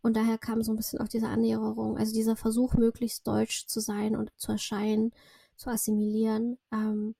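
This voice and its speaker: Woman, 30s, native Russian speaker, from Russia, podcast guest, reflective, rambling, gravelly, breathy. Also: fairly high pitch, completely flat delivery, brisk, mellow, dry recording. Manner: reflective, rambling, frequent fillers and self-corrections. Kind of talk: casual interview chat.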